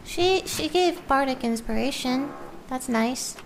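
High, animated, slow-paced woman. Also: slight background noise. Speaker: player in a tabletop role-playing game. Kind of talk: animated in-character improvisation.

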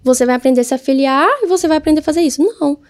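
A woman's voice: sits high, racing, darkish tone. A woman, a guest entrepreneur, telling her story in a casual interview and acting out her own past words.

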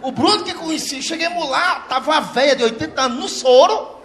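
A middle-aged man telling a profane stand-up comedy story on a live stage, laughing through his lines and shouting when he acts out the people in it. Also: very high voice, a little fast. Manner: loud, laughing, animated, profane, slips into shouted voices for characters.

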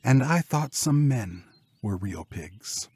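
Man doing a fed-up lady schoolteacher, lifted pitch, very proper and a bit sarcastic, storybook read. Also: big pitch swings, measured pace, dry recording, clean studio sound. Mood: dry, muttering. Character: exasperated, prim woman schoolteacher.

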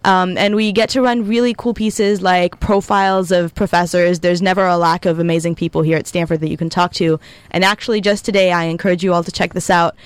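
A woman's voice: lowish voice, brisk, clean tone, no room sound. Dry-sounding chatty young woman guest. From Egypt, raised in Abu Dhabi. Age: about 20. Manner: relaxed, chatty, upbeat, with frequent ums. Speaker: student guest. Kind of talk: live radio interview.

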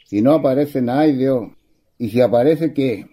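A man's voice: medium pitch, unhurried, mellow, slightly rough. An actor playing a bold, easygoing young country man in a radio play, casual and teasing, with a rural Chilean accent. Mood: teasing, daring. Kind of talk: stage-style radio play acting.

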